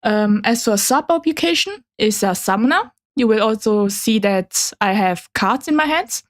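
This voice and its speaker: A woman's voice: a little high, lively intonation, moderate pace. Hesitant woman streamer, native Chinese speaker. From Germany. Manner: hesitant, slightly awkward, apologetic. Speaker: debuting VTuber streamer. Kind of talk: casual livestream chat presenting slides.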